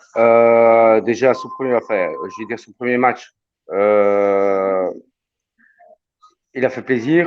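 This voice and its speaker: A man with a strong Liège accent speaks at a very slow pace. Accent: strong Liège Belgian. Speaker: listener calling in. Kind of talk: casual chat.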